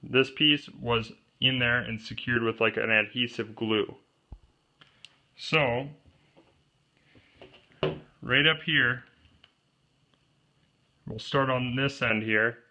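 Pushed and bright, this mid-range male voice moves slowly with fairly even intonation and frequent pauses. A DIY kayak gear presenter, he plainly walks through a homemade camera pole build step by step, pointing out each part. He narrates off-camera over an overhead shot of his hands at an indoor wooden table.

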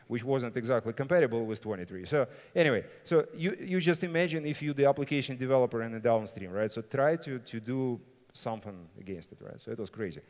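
A middle-aged man who speaks English as a second language presents at a tech conference. His voice sits at an average male pitch, and his delivery is informal and blunt, with frequent tag questions. The long reverb of a large hall surrounds him. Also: lively intonation, fast, hardly any pauses, a little mellow. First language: not English. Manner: blunt, informal, often tagging sentences with "right?". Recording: reverberant hall sound system.

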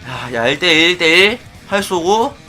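A man giving excitable play-by-play commentary on his Minecraft minigames, often chanting and shouting as he plays. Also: a little high, moderate pace, soft background music. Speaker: gaming YouTuber.

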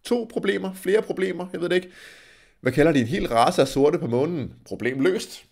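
A man's voice: fairly high pitch, lively intonation, gravelly, darkish tone. A man reading jokes aloud from a page, stumbling over words and adding wry asides of his own. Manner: stumbling reader, wry comments. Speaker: video creator.

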